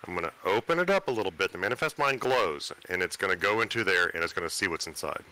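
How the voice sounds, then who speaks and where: A man's voice: deep voice, expressive, quick pace, bright, forceful tone, no echo. A man chatting casually as a tabletop game player, describing what his character does.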